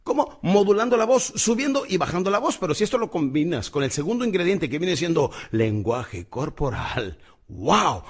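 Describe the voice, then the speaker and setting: Motivational speaker, male, husky voice, big swings between shouting pumped-up and slow low emphasis. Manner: calls the listener "campeón", laughs at own jokes. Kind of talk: motivational talk on public speaking.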